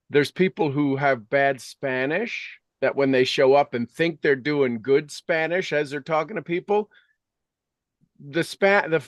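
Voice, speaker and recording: A man's voice: fairly high pitch, no echo, clean studio sound. A middle-aged or older man talking conversationally like a coach, emphatic and repeating phrases to drive points home.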